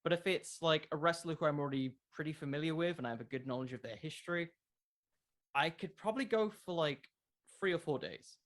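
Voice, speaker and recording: A man's voice: a little high, a little fast, fairly bright tone. A man answering questions in a casual interview, thinking aloud and repeating words as he goes. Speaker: podcast creator, interview guest. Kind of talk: casual interview chat about wrestling fiction.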